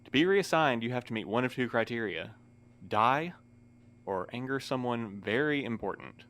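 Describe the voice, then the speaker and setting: A man's voice: medium pitch, animated, normal speed, fairly bright tone. A man playing a formal, weary, wry postmaster in an audio drama, speaking in precise, wordy sentences. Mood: resigned, explanatory. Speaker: voice actor in a fiction podcast. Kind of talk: scripted audio drama acting.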